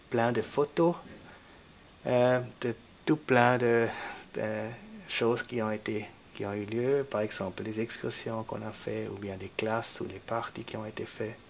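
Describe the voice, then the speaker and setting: A man with a non-native accent and medium pitch, at a fairly slow pace with fairly even intonation and long, frequent pauses. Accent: noticeable non-native French. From Switzerland, German-speaking. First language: Swiss German / German (speaking French). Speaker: university program coordinator. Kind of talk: informational presentation with screen walkthrough. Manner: halting, many hesitations.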